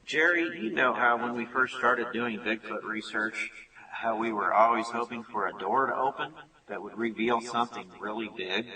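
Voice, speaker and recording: A man playing an earnest, secretive research teammate in an audio drama, serious and deliberate. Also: medium pitch, pushed and bright, poor audio. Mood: grave, hushed. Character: earnest, secretive male research teammate reporting a momentous find.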